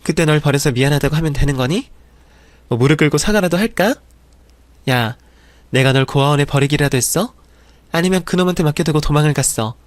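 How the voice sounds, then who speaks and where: A man reads as a middle-aged mother with a sharp, scornful tongue, snapping back in a dramatized story. The voice sits a little high for a man. The recording is dry and close, with no room around it. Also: a little fast, pauses often, no room sound, close to an everyday voice. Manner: snapping, scolding.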